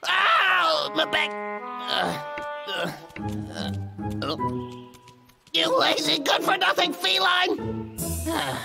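An actor voicing an excitable, grumbling adult male logger in an animated cartoon, whiny and theatrical. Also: sits high, extremely slow, creaky, pauses often, loud music behind the voice, heavily acted. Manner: exclamatory, whiny, theatrical muttering. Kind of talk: animated cartoon dub acting.

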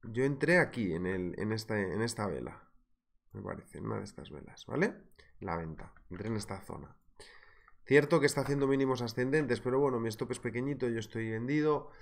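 A man's voice: medium pitch, lively intonation, brisk, vocal fry. A man with a Spain Spanish accent who teaches trading in a live webinar, talking in a chatty, joking way and greeting viewers by name. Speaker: trading instructor. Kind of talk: live webinar, market analysis.

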